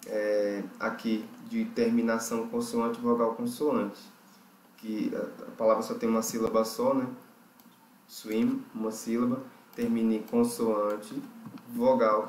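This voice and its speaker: A Brazilian man teaching English in a patient, repetitive way, his mid-pitched voice checking in with the listener after each point. The recording sits in an echoey room with a faint hiss behind it. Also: darkish tone. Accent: Brazilian Portuguese. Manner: patient, repeats and checks understanding with "certo?" and "ok?". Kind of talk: explaining exercises in a recorded lesson.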